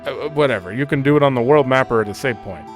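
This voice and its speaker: Man, thirties, average pitch, offhand gaming commentary, rambling, clear game music behind. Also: very fast. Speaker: let's play host. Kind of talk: casual game commentary, reading dialogue aloud. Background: video game music.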